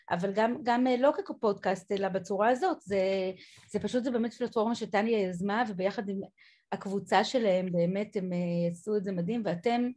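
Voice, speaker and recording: A woman's voice: mid-range voice, a little mellow. A woman in her forties hosting a casual video call, chatty and encouraging, with many fillers. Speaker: academic event host. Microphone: laptop webcam on a video call.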